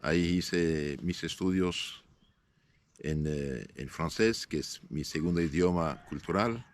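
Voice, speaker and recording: Low-voiced Syrian-born priest, halting. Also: male voice. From northern Syria. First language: Aramaic. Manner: measured, halting with frequent "eh" fillers and restarts. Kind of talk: interview answers.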